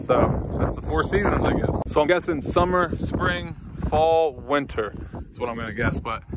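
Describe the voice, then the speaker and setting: Loud background noise surrounds a man who keeps to a moderate pace. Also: dry sound with no echo. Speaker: travel vlogger. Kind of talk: casual vlog chat. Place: open country. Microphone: phone near.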